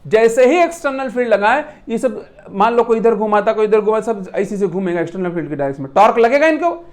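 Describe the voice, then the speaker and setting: A physics teacher giving a lecture, explaining in an animated way with repeated points, rhetorical questions and playful classroom comparisons, mixing English technical terms into the talk. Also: mid-range voice, fast. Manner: mixes English technical terms into Hindi speech.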